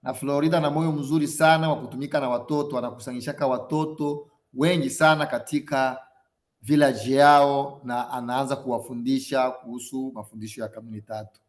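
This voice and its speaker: A man's voice: medium pitch, fairly even intonation, a little fast. Man interpreting on a webinar.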